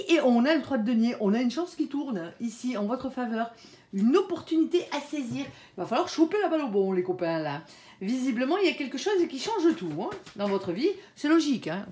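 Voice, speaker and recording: A woman giving a casual tarot reading, talking chattily to her viewers and filling her speech with little interjections. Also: fairly high pitch. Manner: chatty, peppers speech with "hein" and "alors"; softly pleads with her guardian angel between cards. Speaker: tarot card reader. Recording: echoey room.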